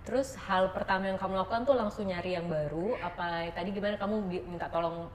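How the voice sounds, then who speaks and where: A woman's voice: lowish voice, fast, a little hiss or hum. A woman hosting an interview who asks casual questions and keeps affirming her guest. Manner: friendly questions, frequent affirming backchannels. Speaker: podcast host, interviewer. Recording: roomy reverberant room sound.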